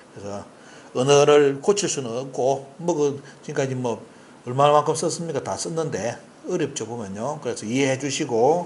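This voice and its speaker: Audible room echo surrounds a man speaking at a fairly high pitch. He keeps a moderate pace with ordinary pitch variation. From South Korea, Hadong, South Gyeongsang. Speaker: history lecturer. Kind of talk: lecture.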